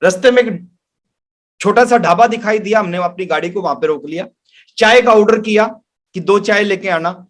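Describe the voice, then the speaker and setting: High-pitched male motivational speaker. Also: moderate pace. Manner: emphatic, repeats phrases for effect. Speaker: business trainer, motivational speaker. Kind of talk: motivational sales training talk with anecdotes. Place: online webinar.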